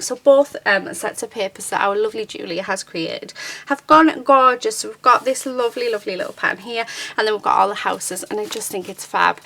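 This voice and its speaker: A woman's voice: a little high, bright, forceful tone. A woman hosting a casual, chatty craft demonstration at a desk, with an enthusiastic, chirpy manner. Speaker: crafting channel host.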